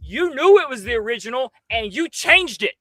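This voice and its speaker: A man's voice: very high-pitched, big pitch swings, normal speed, pushed and bright, dry recording. A man talking on a casual livestream in an emphatic, incredulous, slangy way, swearing freely as he rants. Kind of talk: animated casual livestream rant.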